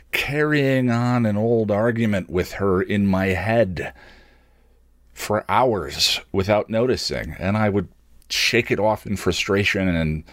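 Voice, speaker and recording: Low-voiced man, candid and thoughtful. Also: dry recording, studio quality. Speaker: host of an online show. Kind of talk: reflective personal monologue.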